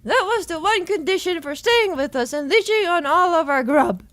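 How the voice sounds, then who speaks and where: A woman doing a brash, very high-voiced sarcastic fantasy girl. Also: animated, moderate pace, a bit bright, dry recording. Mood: suspicious. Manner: brash, snappy, taunting. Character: hot-tempered, sarcastic, mocking young woman in a fantasy game.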